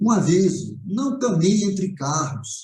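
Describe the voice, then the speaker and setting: His voice sits high for a man and has a dark, mellow tone. The intonation is lively. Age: 60s. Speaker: health lecturer. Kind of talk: lecture. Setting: stage with audience. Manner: halting, frequent filler repetitions.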